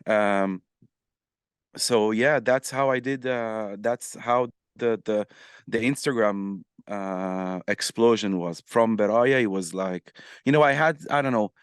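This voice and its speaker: A man with a smooth, resonant voice tells his story as a podcast guest. He talks in an animated, casual way, with plenty of fillers and restarts. The sound is dry and close, with no room echo. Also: on the low side, slow. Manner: animated, many fillers and restarts, acts out quoted messages. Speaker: podcast guest, musician and influencer.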